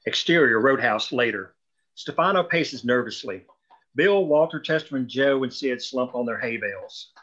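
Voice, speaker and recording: A man with a middle-pitched voice reads scripted stage directions for a drama. The recording is a little muffled and lo-fi. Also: lively intonation, moderate pace, fairly bright tone. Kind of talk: scripted narration.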